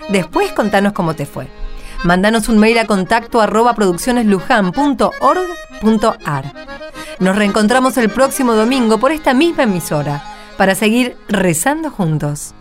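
A woman's voice: medium pitch, animated, moderate pace. An Argentine woman presenting and narrating a scripted radio drama. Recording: clear music under the voice. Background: background music.

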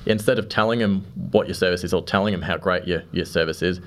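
Fast-talking deep-voiced young man. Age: 20s. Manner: fast, repeats words when starting sentences. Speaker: podcast guest. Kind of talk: casual interview chat.

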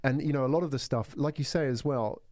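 A man's voice: medium pitch, fast talker, a little mellow, no echo. A man hosting a podcast interview in a studio, chatty and lightly joking as he asks leading questions. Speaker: podcast host.

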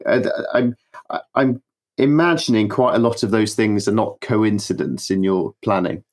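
A man's voice: fairly low pitch, moderate pace. Podcast host guy, chatty, trips over his words a bit. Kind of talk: interview podcast.

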